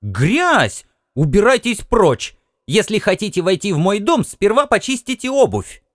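A man voicing a curt, fussy alien housewife with a sharp metallic voice, in an audiobook reading. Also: on the high side, very animated, normal speed, dry recording, studio quality, voice pushed up. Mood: indignant. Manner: snappish, dismissive.

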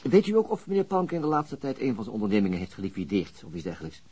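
Quick-talking, husky police detective. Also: male voice, lowish voice, sing-song, dark tone. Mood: probing. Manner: hesitant, probing questioning. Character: persistent, polite police detective on a murder case. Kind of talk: Dutch radio drama dialogue.

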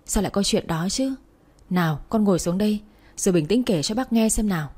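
A woman's voice: medium pitch, expressive, a little fast, a little mellow, slightly rough. A woman voicing a kind older woman, a future mother-in-law who comforts the girl and bosses her son, in a storybook reading. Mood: soothing. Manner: soothing and motherly. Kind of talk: storybook narration.

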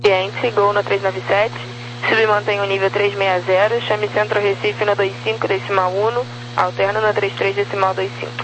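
A woman's voice: mid-range voice, flat delivery, moderate pace. A woman air traffic controller giving businesslike, clipped instructions over a crackly, military-style radio. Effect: crackly military-style radio transmission.

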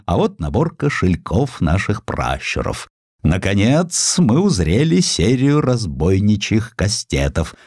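Audio drama role: male actor as touchy, proud provincial merchant, old-fashioned ceremonious diction, very animated intonation. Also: mid-range voice, dry recording, clean studio sound, exaggerated voice. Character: aggrieved, proud provincial merchant collector showing off treasures.

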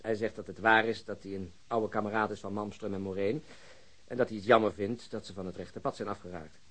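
An actor playing a matter-of-fact police detective who explains a case drily in a Dutch radio crime drama. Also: male voice, on the low side, fairly even intonation, brisk, fairly bright tone. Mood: wry, explaining.

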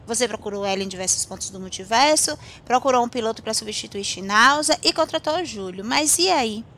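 A woman playing a composed, gently chiding confidante in a conversational audio drama. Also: on the high side, expressive, fairly quick, a little hiss or hum. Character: composed, chiding female listener to the tale.

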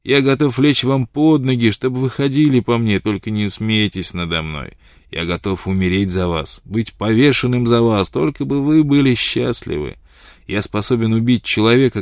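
A man's voice: medium pitch, no echo, clean studio sound, natural voice. A man voicing a blunt, blustering older frontiersman in an audiobook reading. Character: older rough frontiersman, gruff and devoted.

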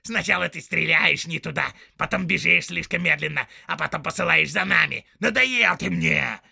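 A man's voice: fairly high pitch, normal speed, creaky, pushed and bright, breathy edge, dry recording, clean studio sound, pitched above the performer's own voice, heavily acted. A man voicing a small, spiteful male orc tracker who whines, mocks and snarls. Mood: snarling. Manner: whining, snarling, mocking.

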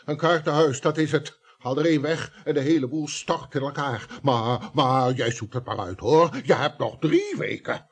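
An actor playing a grumpy, sarcastic male estate agency boss in a radio play, with a husky, impatient, bossy voice. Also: mid-range voice, normal speed, hardly any pauses, lightly acted.

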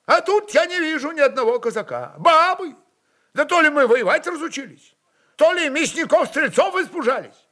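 A man voicing an excitable old Cossack jester in a storybook reading, grumbling and declaiming in a folksy way. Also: extremely high pitch, moderate pace, voice pushed up, exaggerated voice. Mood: indignant, haranguing.

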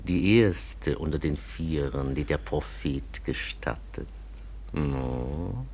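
Slow low-voiced older arab merchant, radio play, dignified, flowery, very measured. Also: male voice, darkish tone, slight background noise, full character voice. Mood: courtly, persuasive. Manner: ceremonious, measured, flowery formal speech. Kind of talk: literary radio drama acting.

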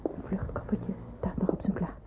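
An actress playing an anxious, grieving young Jewish woman in a radio drama, hushed and hesitant, often close to whispering. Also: normal speed, close to an everyday voice. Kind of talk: radio drama acting with hushed inner monologue. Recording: thin phone-like band, noisy old radio play.

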